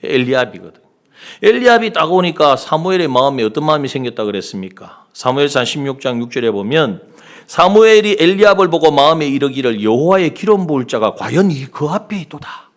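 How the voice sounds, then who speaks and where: Animated Korean pastor preaching. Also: male voice, a little high, brisk. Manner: animated preaching, acts out quoted lines. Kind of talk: sermon.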